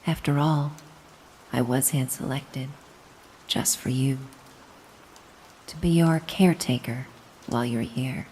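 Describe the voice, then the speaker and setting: Woman acting a slow, low-voiced, soothing hypnotic caretaker. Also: a little hiss or hum, low-quality recording. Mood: hypnotic, tender. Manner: gentle, coaxing, reassuring, unhurried. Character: mysterious soothing female caretaker, gentle, doting, hypnotic. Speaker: hypnosis audio performer.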